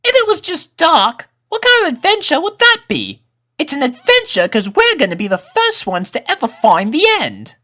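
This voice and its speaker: A man voicing an excitable, adventurous young colt pony in a storybook reading, with a boyish, eager, emphatic manner. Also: very high-pitched, normal speed, voice pushed up, heavily acted. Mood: eager, persuasive.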